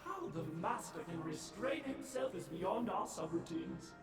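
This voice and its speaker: Courteous butler robot for a game, high and sing-song, with big echo and music underneath. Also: male voice, animated, measured pace. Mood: courtly. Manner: formal, courteous, fussy about duty. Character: prim polite male butler robot. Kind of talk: video game character dialogue. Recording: echoey and distant, game music behind.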